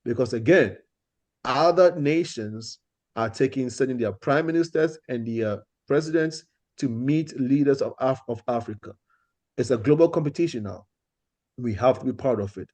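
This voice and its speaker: A man's voice: medium pitch, normal speed, darkish tone. A man hosting an organization meeting, speaking earnestly and often restarting his sentences. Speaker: host of the meeting.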